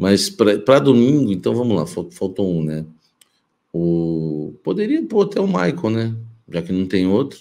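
Dark and mellow in tone, a man's voice sits very deep and low. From Brazil. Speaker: sports journalist. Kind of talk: casual commentary monologue. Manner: animated, complaining tone. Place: studio.

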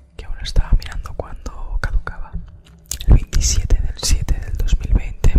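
Over loud background noise, a soft-spoken woman whispers at a fairly slow pace. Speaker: ASMR creator. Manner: soft close-mic ASMR whisper. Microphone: studio mic.

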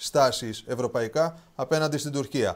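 A man talks at a fairly slow pace. Behind him the background is quiet. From Greek island. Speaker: TV host. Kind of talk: interview. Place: studio. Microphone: lapel.

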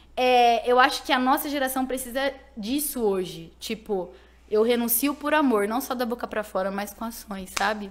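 A woman speaks at a high pitch. Her pace is moderate, with ordinary pitch variation. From São Paulo, Brazil. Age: 20s. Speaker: gospel singer; podcast guest. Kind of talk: testimony. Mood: warm, smiling, reflective. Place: studio. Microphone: studio mic.

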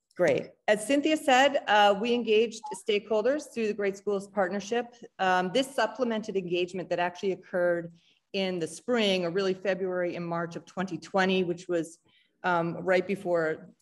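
A woman's moderate-paced speech shows ordinary pitch variation. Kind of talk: meeting presentation. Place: classroom. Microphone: video call.

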